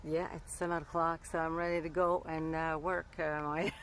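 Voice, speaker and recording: A woman's voice: low voice, little pitch movement, normal speed, a little hiss or hum. A woman from Montreal with a Québécois French accent, a native French speaker, chatting casually as a vlogger and often searching for words and rephrasing. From Montreal, Canada. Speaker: vlogger documenting a van build. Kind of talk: casual vlog chat.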